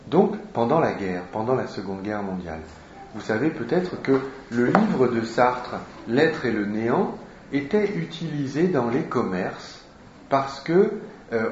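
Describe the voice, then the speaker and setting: A man teaching literature, walking through a novel page by page and pausing often to find his words. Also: medium pitch, darkish tone, a little hiss or hum. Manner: slow and deliberate, with frequent hesitations. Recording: roomy, dull lo-fi recording.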